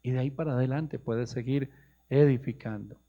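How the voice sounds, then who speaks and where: Colombian male pastor, gravel in the voice, mid pitch, preaching with emphatic climbs, muffled radio sound. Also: fairly even intonation, normal speed. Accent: Colombian Spanish. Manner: rising to high emphatic questions, addresses listeners as brother. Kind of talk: sermon.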